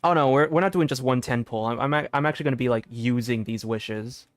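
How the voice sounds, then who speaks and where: A young man doing casual live game commentary as a streamer, excitable and rambling, often repeating himself. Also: mid-range voice, fast talker, no room sound. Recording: dry close sound with game music.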